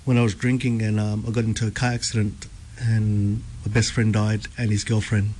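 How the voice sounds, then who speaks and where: A young Australian man telling his life story as a radio guest, halting, with many ums and repeated words. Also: on the low side, little pitch movement, darkish tone, slight background noise. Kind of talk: personal testimony interview. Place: radio studio.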